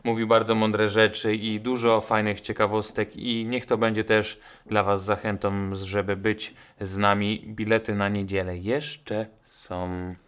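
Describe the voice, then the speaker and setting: Man, co-host, flat even delivery, smooth clear voice, playful, self-mocking. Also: on the low side, measured pace, hardly any pauses. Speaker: event co-host. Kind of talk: casual promotional chat.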